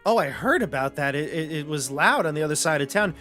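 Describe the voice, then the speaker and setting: A man's voice: a little high, lively intonation, quick pace, sharp tone, faint music behind. A man voicing a nervous, innocent shopkeeper who stammers and pleads evasively in a tabletop game. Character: nervous, frightened, innocent male rug shopkeeper.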